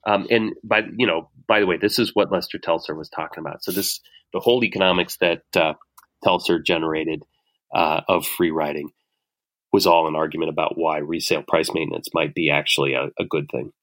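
A middle-aged man, an author being interviewed, explaining ideas in a hesitant, thoughtful way with many pauses and restarts. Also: rumbling low, fairly even intonation, fairly bright tone. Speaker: author and guest. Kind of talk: casual spoken explanation.

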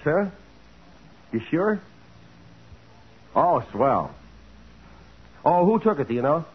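An actor playing a brash, excitable, wisecracking newspaper reporter with an American accent in 1940s radio drama style. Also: male voice, mid-range voice, breathy edge, heavily acted. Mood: relieved, eager. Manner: breezy, colorful, wisecracking. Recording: muffled, hissy 1940s radio recording.

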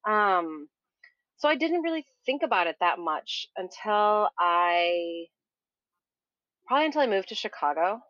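A woman's voice: mid-range voice, sing-song, unhurried, long pauses, fairly bright tone, no echo, highs cut off. A woman from Texas who works as a doula and strength coach, talking casually as a guest with many restarts. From Texas, Houston area. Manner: rambling, with many restarts and "you know". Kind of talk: casual interview chat.

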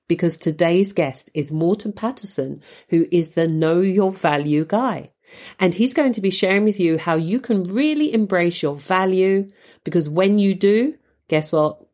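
A woman hosting a podcast interview, upbeat and energetic as she introduces her guest. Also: lowish voice. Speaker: podcast host.

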